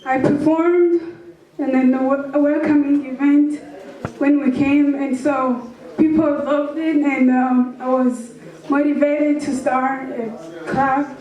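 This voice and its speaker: A woman's voice: sits high, fairly even intonation, slow, dark tone, dull audio. A teenage girl leading a dance group, answering interview questions hesitantly with many ums. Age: teens. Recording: very echoey hall, distant mic.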